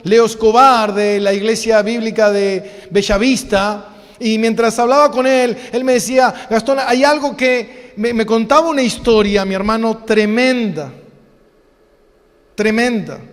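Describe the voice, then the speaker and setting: High-voiced, slow-preaching Argentine pastor. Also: male voice, big-room sound. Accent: Argentine Spanish. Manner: slow, emphatic preaching with rhetorical questions and repetition. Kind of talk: sermon. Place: church hall.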